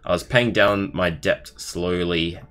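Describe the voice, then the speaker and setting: A man's voice: low-pitched, steady tone, slow, a bit bright, clear, resonant tone. A man livestreaming, reading aloud expressively with casual asides and commentary of his own. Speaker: streamer.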